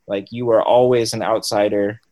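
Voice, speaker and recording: Thoughtful young man, halting speech. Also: fairly low pitch, fairly even intonation, darkish tone, poor audio. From Washington State and Cambodia. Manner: thoughtful, many ums and restarts. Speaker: guest. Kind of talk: conversational interview.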